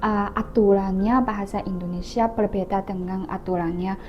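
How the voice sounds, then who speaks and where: A young woman from China with a Chinese accent, a native Mandarin speaker, answering interview questions as a student in halting foreigner's Indonesian. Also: medium pitch, steady tone, lo-fi sound, soft background music. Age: young adult. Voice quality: difficulty rolling the R. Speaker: student guest.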